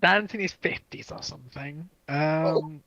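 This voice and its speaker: A man's voice: on the high side, a little slow, highs cut off, a crowd in the background. A man in his early twenties chatting casually in a group, teasing and full of questions. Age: early 20s. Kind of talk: casual group chat on a livestream.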